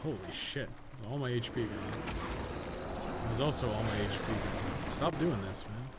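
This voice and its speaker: A man's voice: medium pitch, moderate pace, very noisy. A man doing casual live gameplay commentary as a streamer, sweary and sarcastic, often muttering to himself. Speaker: game streamer, podcast co-host.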